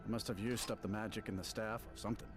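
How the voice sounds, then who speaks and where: A man's voice: on the low side, fairly even intonation, fast, music in the background, lightly acted. A man playing a sheepish, hapless amateur wizard in a video game, speaking hesitantly and self-deprecatingly. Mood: dejected. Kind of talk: video game character dialogue.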